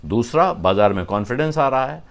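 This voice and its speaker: A man giving conversational business news commentary, explaining financial terms and pausing often with "uh". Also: medium pitch, expressive, creaky.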